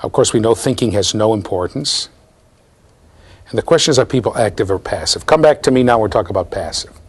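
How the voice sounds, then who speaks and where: A man in his fifties, his voice fairly low, slightly rough, expressive, and brisk, gives an eager university lecture in a classroom with bookshelves, checking in often with "okay?" and "right?"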